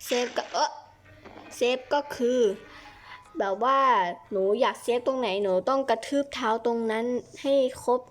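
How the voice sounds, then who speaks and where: Brief: a woman voicing a kindly game shopkeeper, patient and a little halting as she explains, fairly high voice, faint music behind. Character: kindly snack shopkeeper, gentle and helpful.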